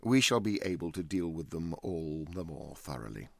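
A man voicing a calm, offhand young man who talks of dreadful things in a careless, deadpan way. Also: sits low, normal speed, gravelly, no room sound.

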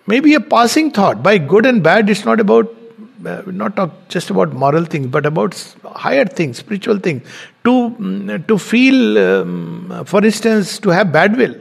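Man, high-pitched, spiritual lecture, methodical and explanatory. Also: big pitch swings, unhurried, gravelly, breathy edge. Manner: explanatory, builds points step by step. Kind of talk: spiritual teaching talk.

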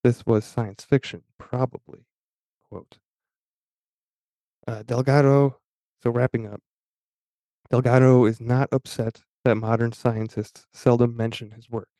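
A man hosting a podcast, talking in a halting, casual way and often stopping to restart his sentences. His pitch stays level with little movement, and his voice has a mellow, dark tone. The recording is close and dry. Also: little pitch movement, dry recording. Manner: halting, many fillers and restarts. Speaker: podcast host. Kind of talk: casual talk reading aloud from an article.

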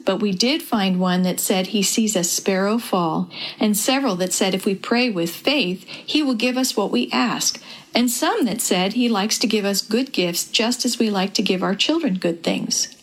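A woman voicing a jolly, steady father of two, calm and thoughtful in tone. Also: medium pitch, normal speed, natural voice.

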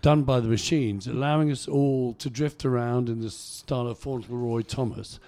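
Mellow middle-aged male radio host. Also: mid-range voice, steady tone, moderate pace. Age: middle-aged or older. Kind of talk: conversational radio interview.

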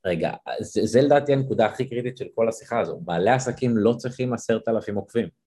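A man hosts a podcast interview in a probing style, often breaking in to pin down a point. His voice is low and a little husky. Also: lively intonation, dark tone. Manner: probing, cuts in to sharpen points. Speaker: podcast host.

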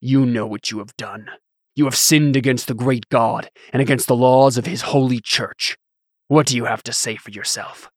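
A man's voice: medium pitch, normal speed, no echo, clean studio sound, lightly acted. A man voicing a grim, righteous holy knight who speaks in a stern, menacing, controlled way. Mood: stern menace.

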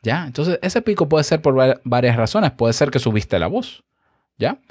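A man's voice: mid-range voice, normal speed, no room sound. Man teaching podcast craft, dry close mic. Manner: animated, explanatory, checks in with the listener often. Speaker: podcast host and instructor. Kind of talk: instructional podcast talk. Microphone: close studio microphone with compressor.

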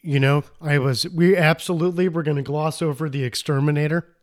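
A man's voice: fairly high pitch, steady tone, brisk. Rambling enthusiastic man recapping a film. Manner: rambling, self-interrupting, enthusiastic. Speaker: podcast co-host. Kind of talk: casual movie recap chat.

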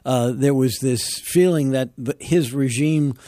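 A male podcast host introducing and interviewing a guest, speaking haltingly with many fillers. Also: mid-range voice, dark tone, no echo, clean studio sound.

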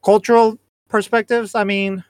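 A man's voice: high voice, flat delivery, moderate pace, no room sound. A man chatting casually on a podcast with friends, rambling through stories with restarts and jokes. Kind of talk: casual chat.

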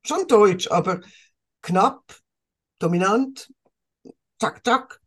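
A woman's voice: medium pitch, expressive, very slow, slightly rough. A woman, a podcast co-host and coach, telling a story with emphasis in a casual chat.

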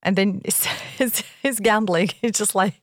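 A woman's voice: unhurried, dry recording, studio quality. A woman from Saudi Arabia co-hosting a podcast, telling stories animatedly and laughing often. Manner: animated storyteller, laughs often, lively pitch jumps. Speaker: podcast co-host. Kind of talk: casual podcast conversation.

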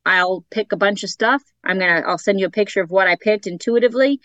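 A woman's voice: medium pitch, fast talker, fairly bright tone, dry recording. A woman with a Boston accent, a psychic guest chatting casually about her offerings and readings. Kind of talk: casual chat.

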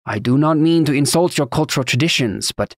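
A man's voice: fairly high pitch, a little fast, no echo, clean studio sound, voice pushed up, natural voice. A man voicing an aggrieved immigrant dockworker in a fantasy audiobook, with a thick foreign accent and stiff, formal phrasing. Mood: indignant, firm. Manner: stiff, formal, careful phrasing without contractions.

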